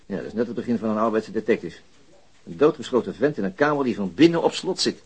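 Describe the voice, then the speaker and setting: Fast-talking, husky, frustrated police detective. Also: male voice, fairly low pitch, lively intonation. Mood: brooding. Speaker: actor in a radio play. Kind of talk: Dutch radio drama acting, conversational.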